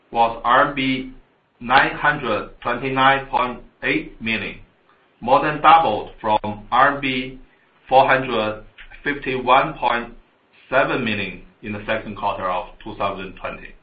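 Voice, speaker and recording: A man formally reading a scripted financial report as a company finance chief, halting over the figures. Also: mid-range voice. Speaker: chief financial officer on an earnings call. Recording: dull, echoey conference call audio.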